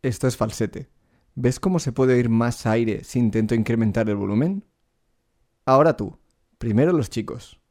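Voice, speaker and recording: A man teaching a singing lesson, explaining vocal technique clearly and speaking directly to the learner. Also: medium pitch, moderate pace, a little mellow. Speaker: vocal coach.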